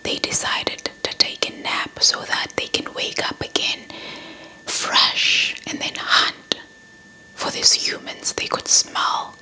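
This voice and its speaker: Very slow, crisp whispering woman. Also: sharp tone, poor audio. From South Africa. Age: young adult. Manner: deliberate, repeats words hypnotically. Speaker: ASMR storyteller. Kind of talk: whispered ASMR folktale narration. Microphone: small handheld mic held close to the mouth.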